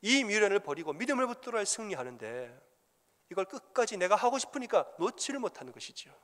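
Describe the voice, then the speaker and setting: A man's voice: high-pitched, very animated, fast, fairly bright tone. A man preaching a sermon as pastor, with emphatic repetition and storytelling. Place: church sanctuary. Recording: long church reverb.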